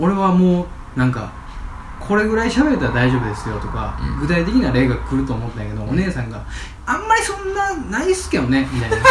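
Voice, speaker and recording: A man speaks at a fairly quick pace with audible room echo. Noticeable background noise is present. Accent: Kansai. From Osaka, Japan. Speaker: podcast co-host. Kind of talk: casual chat.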